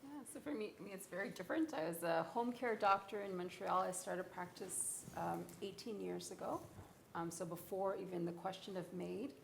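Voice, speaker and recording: A woman in her forties, a physician on a panel, speaking earnestly and reflectively with frequent pauses. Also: on the low side, gravelly. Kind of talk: panel discussion, personal account. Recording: echoey room with faint noise.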